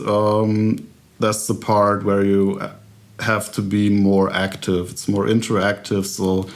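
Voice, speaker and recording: A young man with a somewhat low voice explains his studies very slowly. He hesitates a lot, restarting phrases and filling gaps with "um". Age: young adult. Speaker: education student, interviewee. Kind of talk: casual interview answers.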